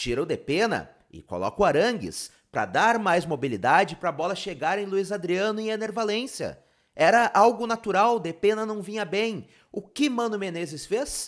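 Lively in intonation, a man with a high voice speaks against a quiet background. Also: moderate pace. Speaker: football commentator, YouTube channel host. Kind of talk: angry rant. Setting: solo video, screen-sharing. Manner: indignant, sarcastic, emphatic; repeats points for emphasis. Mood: indignant, critical. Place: home room. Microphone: studio mic.

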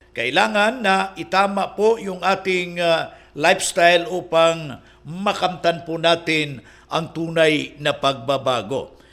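Speaking at a very slow pace, a man uses a high pitch with ordinary variation. His tone is bright and sharp. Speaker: radio health program host. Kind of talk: radio health program. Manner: halting with many fillers.

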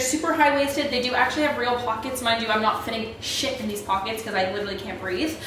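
Over light background noise and audible room echo, a woman speaks fairly quickly in a high pitch with ordinary pitch variation. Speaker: fashion YouTuber. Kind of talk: try-on haul vlog. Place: home room. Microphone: camera far.

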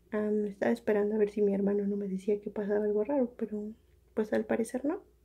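A woman with a Mexican accent at a very fast pace, somewhat breathy with a dark, mellow tone, over a quiet background. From Mexico. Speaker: youtuber. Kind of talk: casual vlog. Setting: at home late at night. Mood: cheerful, a bit embarrassed. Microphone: phone near.

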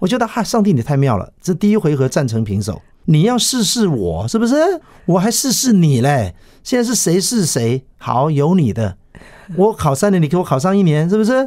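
A man speaks at a fairly quick pace and a high pitch, in a dark, mellow tone. His pitch swings very widely while his loudness stays very even. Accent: Taiwanese. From Taiwan, Chiayi (southern Taiwan). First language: Taiwanese Hokkien (speaking Chinese). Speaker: pastor and TV storyteller host. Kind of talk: interview testimony.

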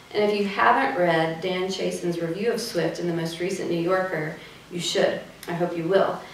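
Amid light background noise and audible room echo, a woman speaks at a fairly low pitch and a moderate pace with fairly even intonation. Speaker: arts organization programs director introducing the author. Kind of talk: formal event introduction. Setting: live event with audience. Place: hall.

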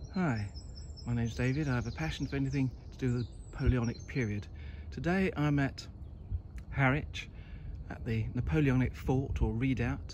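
A man speaks at a moderate pace with vocal fry, very wide pitch swings, and long, frequent pauses. The sound is dry with no echo, over light background noise. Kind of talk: casual guided-tour commentary. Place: street. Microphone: phone near.

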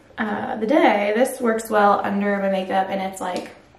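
A woman speaks fairly slowly, with audible room echo and light background noise. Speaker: beauty vlogger. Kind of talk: casual vlog chat. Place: bathroom. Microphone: phone near.

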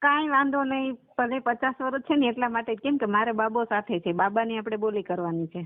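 In a normal speaking voice, a female speaker talks fairly high, her pitch varying in an ordinary way. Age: 40s. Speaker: caller, widowed mother seeking remarriage. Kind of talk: phone conversation. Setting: phone call.

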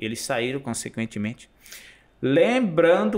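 A man at a fairly slow pace. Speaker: restaurant entrepreneur; podcast guest. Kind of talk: interview. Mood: relaxed, storytelling. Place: studio. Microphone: studio mic.

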